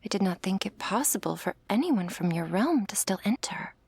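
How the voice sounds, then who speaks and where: Actress as compassionate, questioning young female angel for ASMR role-play audio drama; husky-soft, hesitant, very dry close sound. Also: medium pitch, animated, moderate pace, no echo. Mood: anxious, apologetic. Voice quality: soft, breathy. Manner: earnest, hesitant.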